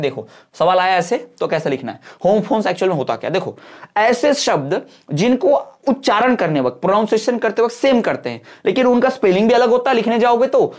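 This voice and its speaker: Male tutor, exam-prep lecture; patient, repeats checks for understanding, reads English lines slowly. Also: high-pitched. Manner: explains patiently, keeps checking in with students; mixes Hindi with slowly read English sentences. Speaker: teacher.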